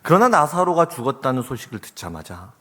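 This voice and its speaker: A man's voice: medium pitch, very animated, fairly quick, sharp tone. A pastor in his forties preaching a sermon, telling a family story earnestly and acting out the voices in it. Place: church sanctuary. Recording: long reverb of a church hall.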